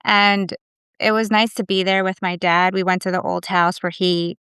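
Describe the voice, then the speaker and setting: Woman guest, reflective storyteller, very smooth and clear voice, dry close mic. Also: fairly low pitch, fairly even intonation, moderate pace, fairly bright tone, no room sound. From United States. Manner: reflective, storytelling with many "like" fillers. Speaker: guest, immigration attorney. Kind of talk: casual interview conversation.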